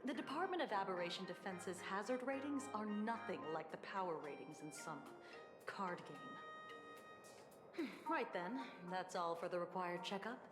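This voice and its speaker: A woman's voice: on the low side, echoey room, lightly acted. An actress playing a weary, formal female investigator in a video game, with a dry, matter-of-fact manner. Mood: exasperated, clinical. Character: weary, businesslike female defense department investigator, dryly sardonic. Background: game music.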